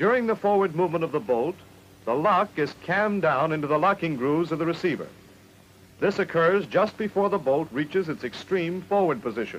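Speaking at a fairly quick clip with lively intonation, a man with an American accent talks in a high voice. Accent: mid-century American. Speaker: film narrator. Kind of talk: vintage military training film narration. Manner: formal, measured, authoritative newsreel-style delivery.

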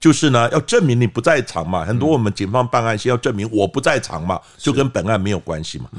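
A man at a very fast pace with lively intonation and hardly any pauses, against a quiet background. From Taiwan. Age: 60s. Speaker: forensic expert; guest. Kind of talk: interview. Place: studio. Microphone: studio mic.

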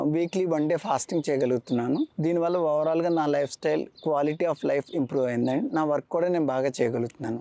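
With a dark, mellow tone and a fairly high pitch, a man speaks with ordinary pitch variation in a dry, close sound with no echo. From Andhra Pradesh, West Godavari. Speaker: naturopathy patient. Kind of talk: testimony.

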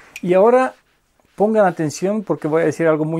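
A man talks at a moderate pace with a Polish accent and lively intonation. The background is quiet. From Poland. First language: Polish (speaking Spanish). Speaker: documentary filmmaker; journalist. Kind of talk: explanatory talk to camera.

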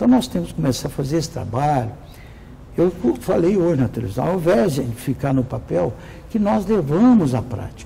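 Very wide pitch swings carry this moderately paced voice over light background noise. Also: man, fairly high pitch for a man. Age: 60s. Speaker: city councillor and physician; city councillor. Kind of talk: interview. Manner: halting, repeats words. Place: studio. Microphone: lapel.

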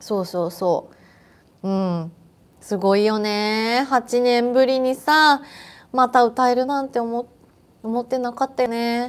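Pausing long and often, a woman speaks at a fairly slow pace with a high pitch and ordinary pitch variation. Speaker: livestreamer and performer; livestreamer. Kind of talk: casual livestream chat. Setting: live stream, seated. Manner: animated. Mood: cheerful, warm.

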